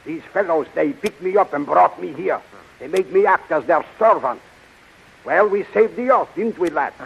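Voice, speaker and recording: An actor playing a kindly older scientist with a gravelly voice in a 1930s radio serial. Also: male voice, on the high side, lively intonation, normal speed. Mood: relieved, warm. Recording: hissy, muffled 1930s radio recording.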